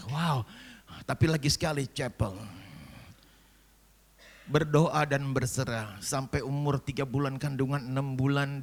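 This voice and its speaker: A man of sixty, a pastor preaching a sermon and telling a family story with acted-out dialogue and rising emphasis. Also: mid-range voice. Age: 60s.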